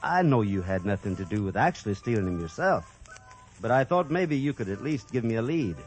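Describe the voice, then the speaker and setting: A man's voice: mid-range voice, sing-song, brisk, natural voice, rough recording. A man narrating and playing the cowboy hero of an old radio western, in an easygoing, plain-spoken way. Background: music.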